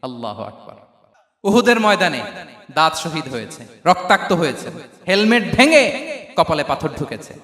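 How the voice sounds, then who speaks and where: Fiery preacher, booming hall echo. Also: male voice, very animated, normal speed. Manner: emphatic, swings from hushed to shouted, quizzes the audience. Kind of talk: sermon to a crowd. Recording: echoey PA sound in a big venue.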